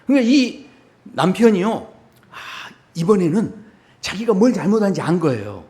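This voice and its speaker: A man preaching a sermon as pastor, telling a story with acted-out lines and asking the congregation questions. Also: moderate pace. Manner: animated storytelling, acting out dialogue in a low voice.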